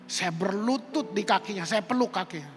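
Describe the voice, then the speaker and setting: A man's voice: sits high, normal speed. A male pastor preaching a sermon, telling personal stories with acted-out quotes in casual slang. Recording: echoey hall with music behind.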